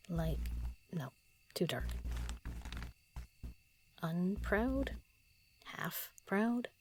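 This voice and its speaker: A woman playing a solitary, pensive writer in an audio drama, murmuring halting lines to herself as she composes, often half-whispering. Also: lowish voice. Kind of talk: intimate audio drama monologue, thinking aloud.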